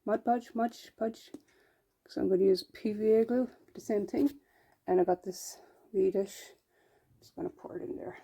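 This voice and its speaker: A woman's voice: medium pitch, fairly even intonation, normal speed, long pauses, dark tone, breathy edge. A woman with an Irish accent chatting casually at home for her vlog, rambling and poking fun at herself. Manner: chatty, rambling, self-mocking. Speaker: vlogger. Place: at home, indoors.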